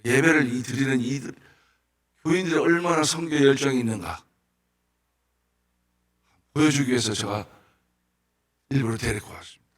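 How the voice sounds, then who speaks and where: A man preaching a sermon as a guest missionary in a church, telling stories with animated bursts of shouting and questions to the congregation. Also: medium pitch, normal speed, long pauses. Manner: storytelling with rhetorical questions to the congregation. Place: church sanctuary.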